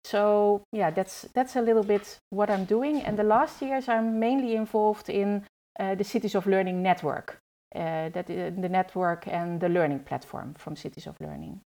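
A woman in her forties, a youth trainer speaking as a podcast guest, pausing often to find her words. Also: medium pitch, dark tone. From Netherlands. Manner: hesitant, searching for words. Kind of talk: podcast conversation.

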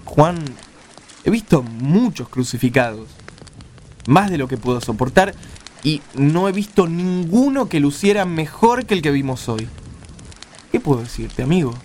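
A man's voice: on the high side, sing-song, measured pace, darkish tone, a little hiss or hum. A man with an Argentine accent playing a blunt, skeptical, weary caravan-leader father in a radio play. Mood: troubled, earnest.

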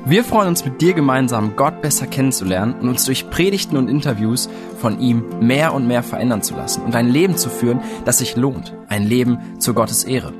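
A man's voice: medium pitch, animated, a little fast, few pauses. A man reading a scripted podcast intro in an upbeat, inviting way. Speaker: show announcer. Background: guitar music.

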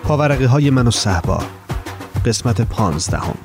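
A man's voice: mid-range voice, lively intonation, over music. A man narrating a first-person story in an earnest, reflective way, reading the dialogue of the characters too.

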